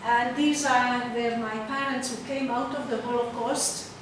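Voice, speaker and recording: This is a fairly high-pitched older woman, Hungarian by first language and from Czechoslovakia, talking through slides of her artwork at an exhibition's opening. Her intonation stays fairly even while she hesitates, searches for words and uses lots of fillers. A far-off mic in an echoing hall picks her up amid noise.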